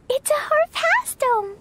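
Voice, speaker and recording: A woman's voice: very high voice, big pitch swings, slow, a bit bright, full character voice. A woman voicing an innocent, earnest little girl in a video game, with a cutesy childlike voice and naive manner. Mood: delighted. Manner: naive, speaks of herself by name.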